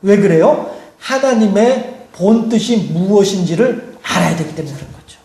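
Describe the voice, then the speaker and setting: A male pastor delivers a sermon in a high voice that rings through an echoey church room. He tells stories, acts out the people in them, and builds to shouted peaks. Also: animated, moderate pace. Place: church sanctuary.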